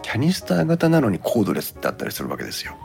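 A man's voice: medium pitch, huge pitch swings, rapid-fire, gravelly, a little mellow, faint music behind. A man hosting a podcast in casual chat about gadgets, thinking aloud and turning polite when addressing listeners. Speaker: podcast host.

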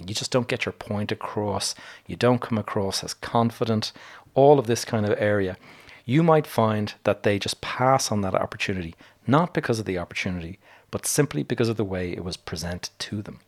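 Low-voiced male podcast host. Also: creaky. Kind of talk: casual podcast interview.

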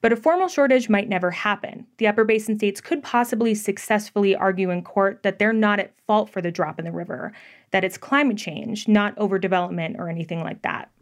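Female reporter guest, steady explanatory tone, medium pitch. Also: a little fast. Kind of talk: radio interview.

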